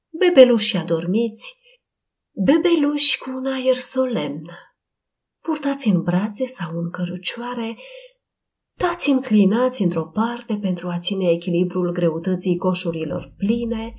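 A woman reads a Christian audiobook aloud in a steady, expressive narrating voice. Her pitch sits in the middle range for a woman. The delivery is scripted and evenly paced.

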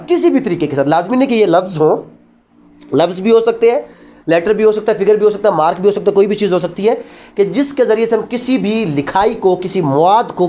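A male law lecturer with a Pakistani accent speaks in a high-pitched voice. He teaches didactically, dropping in English terms. He keeps posing short questions and then answers them himself. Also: a little mellow.

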